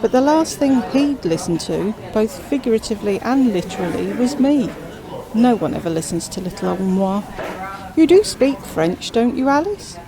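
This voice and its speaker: A woman's voice: fairly high pitch, big pitch swings, normal speed, crowd noise. A woman voicing a chatty, self-absorbed widowed queen who drawls with grand theatrical emphasis. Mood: gossipy.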